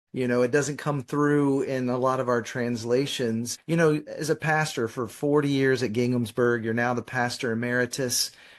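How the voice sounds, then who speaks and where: A man speaks in an ordinary speaking voice at medium pitch and a moderate pace, with hardly any pauses. His intonation stays fairly even against a quiet background. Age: 50s. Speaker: podcast host. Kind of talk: interview conversation.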